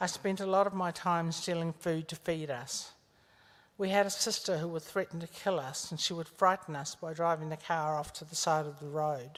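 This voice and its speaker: Fairly low in pitch, a woman with a New Zealand accent speaks with fairly even intonation and big swings in loudness. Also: moderate pace. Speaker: lived-experience speaker. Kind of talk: personal testimony at public lecture.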